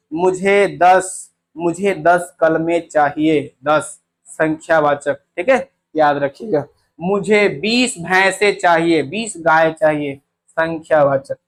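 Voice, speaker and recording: A young man with a notably high-pitched voice runs an exam-prep grammar lesson. He keeps repeating key points and quizzing his listeners with rhetorical questions, and he drawls out each sound as he demonstrates it. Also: a bit bright. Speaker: teacher.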